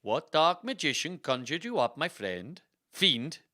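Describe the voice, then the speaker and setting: Furious storybook noblewoman, recently widowed, played by a man: venomous, bright, sharp delivery with an attempted Swedish accent. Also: on the high side, very animated, a little slow, voice pushed up, full character voice. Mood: venomous rage. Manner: venomous, indignant, melodramatic. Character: hissing, scornful, highborn widowed lady.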